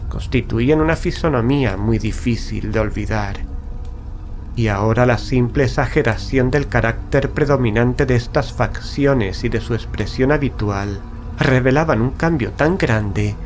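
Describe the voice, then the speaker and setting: Solemn male horror narrator over music. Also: mid-range voice. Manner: solemn, measured, literary delivery. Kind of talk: scripted horror audiobook narration. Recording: prominent music bed under narration.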